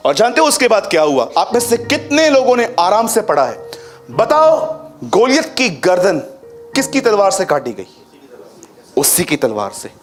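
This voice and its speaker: A man with a high voice preaches a sermon and keeps asking the congregation rhetorical questions. He slips English phrases into his talk and moves between a raised voice and a low one. Soft music plays faintly underneath. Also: sing-song, moderate pace. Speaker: pastor.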